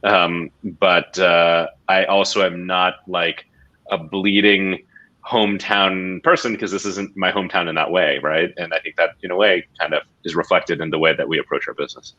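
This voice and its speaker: A man's voice: low voice, steady tone, normal speed, bright, forceful tone, muffled recording. A man who grew up in the Philippines and Hong Kong, speaking hesitantly and reflectively on an investor panel. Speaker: venture capital firm leader. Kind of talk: panel discussion.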